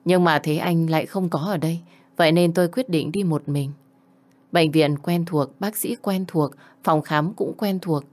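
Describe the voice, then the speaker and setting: A woman in her twenties tells a first-person family story with tender emotion. Her voice is slightly low and her delivery is heartfelt, in the manner of an audiobook narration. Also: fairly even intonation, moderate pace, darkish tone. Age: 20s.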